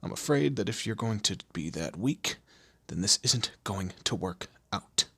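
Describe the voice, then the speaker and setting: A man playing a commanding, teasing demon lord in an audio roleplay, with a low gravelly, husky voice and an imperious, theatrical manner. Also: lively intonation, a little slow, sharp tone, no echo, full character voice. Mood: probing, menacing. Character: male demon lord, commanding, menacing, teasing boss of hell. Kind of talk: scripted audio roleplay addressed to the listener.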